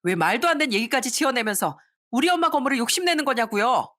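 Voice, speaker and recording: A woman voicing her own younger self as a furious wife, shouting sharply at her in-laws in a storybook drama. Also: fairly high pitch, sing-song, moderate pace, voice pushed up.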